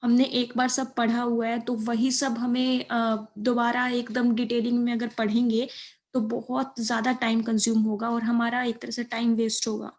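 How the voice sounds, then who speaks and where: High, even-toned young Indian woman. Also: normal speed. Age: young adult. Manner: explanatory, mixes in English terms. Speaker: exam preparation video presenter. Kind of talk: informal study-advice explainer.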